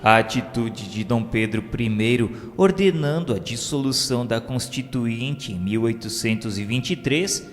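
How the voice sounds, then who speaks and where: Slow, solemn man narrating. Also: mid-range voice. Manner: slow, solemn, measured reading. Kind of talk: scripted spiritist audiobook narration. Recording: long reverb with faint music bed.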